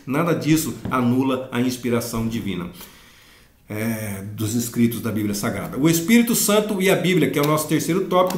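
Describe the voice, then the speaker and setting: Brazilian man teaching a Bible lesson, echoey room. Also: a little high. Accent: Brazilian Portuguese. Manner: explanatory, reads scripture slowly then comments. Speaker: Sunday school teacher.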